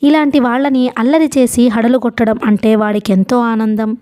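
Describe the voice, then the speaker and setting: A woman narrating a novel as an audiobook in a steady, even storytelling manner. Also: fairly high pitch, moderate pace.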